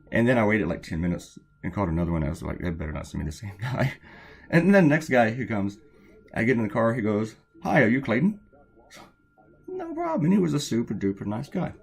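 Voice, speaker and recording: A man chatting casually as he draws, telling rambling stories with lots of fillers, his voice a little hoarse and weak. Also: low voice. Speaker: cartoonist. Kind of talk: casual chat while drawing.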